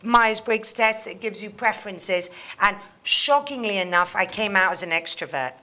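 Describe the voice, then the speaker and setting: Bright, lively woman interview guest. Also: medium pitch, normal speed. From England and Greece. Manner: animated, laughs often, many fillers. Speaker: interview guest, mentoring manager. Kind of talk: casual chat.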